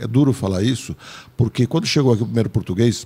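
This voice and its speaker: A man talks at a very fast pace with ordinary pitch variation. His voice is somewhat breathy, with a dark, mellow tone. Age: 60s. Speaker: Senate candidate, airline pilot and farmer. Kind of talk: radio interview. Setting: studio.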